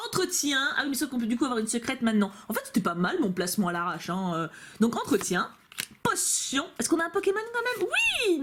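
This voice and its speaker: Bubbly young woman vlogger in her twenties, pitch swooping all over, gushing casual chat. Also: slight background noise. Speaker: YouTuber opening trading cards.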